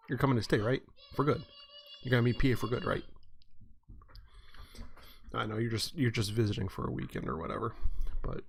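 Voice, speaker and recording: Stuffy, gravelly-voiced man chatting casually. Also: mid-range voice, slight background noise. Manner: rambling, with many fillers and restarts. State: stuffy and sniffly. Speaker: host. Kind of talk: casual live-stream chat.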